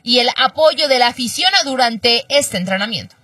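A woman reading a sports news report, with steady delivery and small hesitations. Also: a little high, moderate pace, breathy edge, no room sound, distant mic, soft background music.

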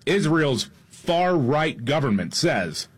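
A man co-hosting a talk radio show, recapping a news story with halting restarts. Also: a little high, big pitch swings, breathy edge. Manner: halting, filler-heavy recap.

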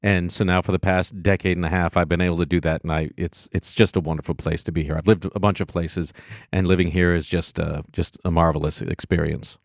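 A deep-voiced man speaks as a guest in a radio studio. He is eager and rushes ahead, repeating and restarting his phrases. The sound is close and dry. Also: flat delivery, creaky, dry recording. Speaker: actor guest. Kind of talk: radio interview conversation.

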